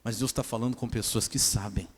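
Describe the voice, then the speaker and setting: A man's voice: medium pitch, steady tone, brisk, in a large hall. A man with a Brazilian Portuguese accent preaching a sermon as a pastor, mixing joking asides with earnest preaching. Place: church hall.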